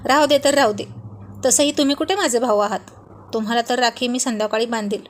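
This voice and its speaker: A woman's voice: on the high side, steady tone, fast talker, slight background noise, natural voice. A woman voicing a playful young wife who coaxes and teases her husband. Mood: playful teasing. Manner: coaxing, teasing.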